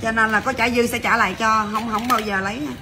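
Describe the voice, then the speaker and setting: A woman selling jewelry on a livestream, chatty and brisk, calling out to viewers. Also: fairly high pitch, steady tone, noisy background. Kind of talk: fast livestream sales patter. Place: jewelry shop.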